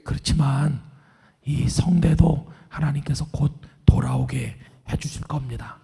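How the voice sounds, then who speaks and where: A middle-aged male pastor preaching a sermon in a hoarse, raspy, half-whispered voice after vocal cord surgery, calm and earnest. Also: fairly high pitch, measured pace. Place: large church sanctuary. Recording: long church hall reverb.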